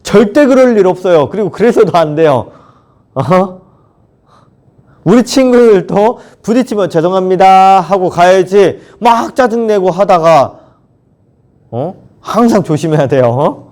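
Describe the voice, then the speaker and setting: Young man, children's pastor, fairly high voice, very lively pitch, animated storytelling sermon. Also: unhurried. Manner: animated, acting out characters' lines for kids. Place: church, recorded alone. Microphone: camera mic, unmasked solo recording.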